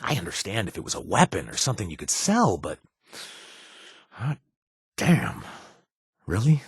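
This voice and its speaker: Flirty joking game sidekick, low husky voice, bounces around a lot. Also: male voice, huge pitch swings, moderate pace, dry recording, studio quality, heavily acted. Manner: playful, teasing, flirty. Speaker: game companion character. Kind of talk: video game voice lines.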